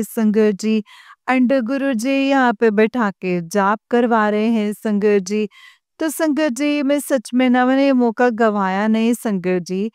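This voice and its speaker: A woman shares a devotional story in an earnest, heartfelt way. Her fairly high voice is smooth and clear, and she speaks slowly. The sound is dry and close. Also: a little mellow, no room sound. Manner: earnest, repeatedly addresses listeners as congregation; emotional, heartfelt. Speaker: devotee sharing an experience. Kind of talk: devotional testimony to listeners.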